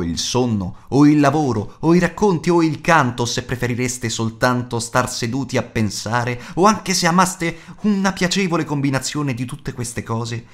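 A man narrates an audiobook at a medium pitch. He reads scripted prose expressively, as a storyteller would.

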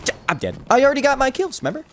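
A man giving casual, excitable live gameplay commentary, full of banter and repeated phrases. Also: very high-pitched, racing, slight background noise. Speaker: gaming streamer.

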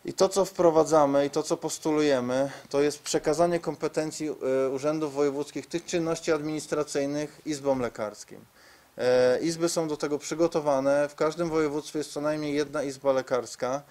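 Flat-toned man presenting formally. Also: a little high, moderate pace. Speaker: medical reform spokesman. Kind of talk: press conference presentation. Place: conference room, seated at a table before a screen. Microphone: press microphones on the table.

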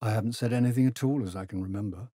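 A man voicing a contemptuous, combative English gentleman in a novel, speaking bluntly and emphatically. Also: fairly low pitch, rapid-fire, slightly rough, no room sound, studio quality. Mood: flat.

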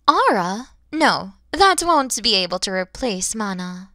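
A woman's voice: medium pitch, a little slow, dry recording, clean studio sound. A woman voicing a kind, motherly and playful dragon woman in an ASMR audio roleplay, speaking expressively and directly to the listener. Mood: explaining, reassuring. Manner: expressive, teasing, gentle, addressing the listener directly.

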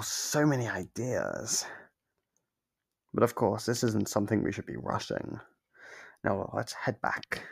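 A man playing a sadistic, playful monster toying with human prey in an ASMR horror roleplay, with a gravelly, husky voice and a theatrical, menacing, musing manner. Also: lowish voice, dry recording, studio quality, full character voice. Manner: slow, theatrical, menacing musing with sudden swells.

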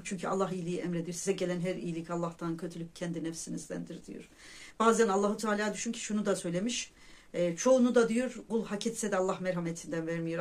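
A woman's voice: fairly low pitch, a little mellow. A woman talking casually to her viewers, earnestly sharing religious reflections and retelling dreams, often calling them her friends. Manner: reflective storytelling with pious phrases. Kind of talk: casual personal monologue to viewers.

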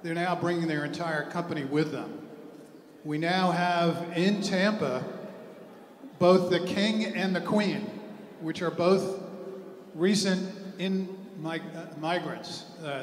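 A man's voice: fairly high pitch, slight background noise. A middle-aged man from New York, a developer speaking on a conference panel and telling his points as stories. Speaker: real estate developer, panelist. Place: large conference hall. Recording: echoey conference hall.

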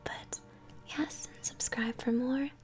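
A young woman whispering gently as she hosts an ASMR let's-play, commenting on a game. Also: fairly high pitch, fairly even intonation, slow pace, faint music behind. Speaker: host, gamer. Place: small room at home, indoors.

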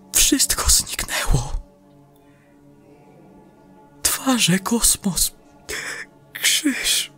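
A man voicing a terrified astronaut lost in space, halting, strained and breathy, in an audio horror story. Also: high voice, a bit bright, pitched above the performer's own voice, full character voice.

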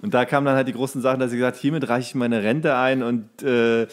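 A man's voice: medium pitch, flat delivery, fast talker. A man co-hosting a podcast, telling anecdotes in a loose, colloquial way. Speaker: podcast co-host. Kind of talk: casual chat, anecdotes.

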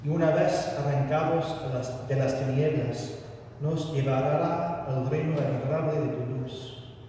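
Priest praying in a cathedral-like echo. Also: male voice, on the high side, fairly even intonation, mellow. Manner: formal, measured reading with occasional stumbles. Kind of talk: solemn liturgical prayer recitation. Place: large church interior. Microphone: distant camera recording. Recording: cathedral-like echo, distant mic, noisy room.

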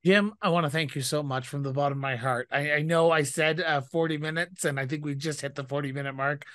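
A man's voice: fairly high pitch, steady tone, fast, fairly bright tone, dry recording. A man in his forties from Canada, hosting a podcast at a studio microphone, earnest and upbeat as he thanks a guest and signs off. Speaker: podcast host. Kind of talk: podcast interview and outro. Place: small studio indoors. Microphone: studio mic on stand with headphones.

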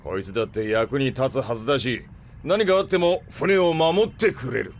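A man playing a gruff but loyal ship captain who talks in grudging, rough colloquial phrases in an audio drama. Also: medium pitch, animated, moderate pace, slight background noise, lightly acted. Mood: grumbling, grudging. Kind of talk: anime-style audio drama acting.

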